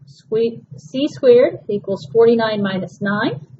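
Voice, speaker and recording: In this classroom lesson, a woman teaching math talks her students through a problem one step at a time, calm and reassuring. She speaks slowly in a fairly high, mellow voice. Faint hiss runs under the dull, lo-fi recording.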